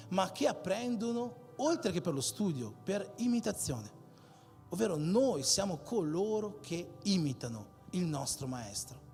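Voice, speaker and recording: A man preaching a sermon as pastor, driving points home with repeated emphatic phrases. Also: high-pitched. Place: church hall. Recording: long hall reverb with faint music.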